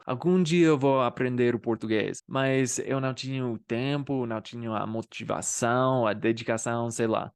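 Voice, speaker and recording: A young man from the United States with an American accent, a native English speaker hosting a language channel and explaining things to camera in a relaxed, conversational way. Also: medium pitch, clear, resonant tone, dry recording, studio quality. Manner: relaxed and conversational, many filler tags. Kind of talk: casual explainer talking to camera.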